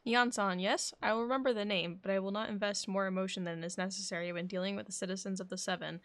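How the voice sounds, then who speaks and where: Creaky-voiced woman streaming a game. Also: mid-range voice, steady tone, fast talker, a bit bright. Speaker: live streamer. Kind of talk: casual game stream commentary, reading dialogue aloud. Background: game music.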